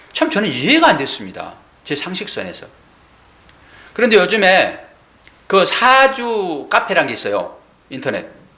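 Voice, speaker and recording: A man with a high pitch uses a raised, projected voice, very wide pitch swings and long, frequent pauses, amid audible room echo and noticeable background noise. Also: fairly slow pace. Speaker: pastor. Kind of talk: sermon. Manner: conversational, asks audience questions.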